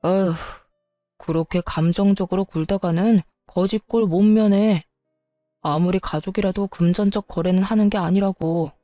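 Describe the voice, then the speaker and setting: A woman's voice: mid-range voice, steady tone, normal speed, dark tone, no echo, faint music behind, lightly acted. A woman voicing a cold, stingy young husband who lectures his wife dismissively. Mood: smug. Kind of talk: storytelling dialogue.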